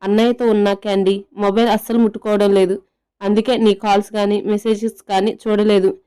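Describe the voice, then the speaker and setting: A woman voicing a calm, reserved young man who speaks in a low-key, matter-of-fact way in an audio love story. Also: fairly quick, clean tone, natural voice.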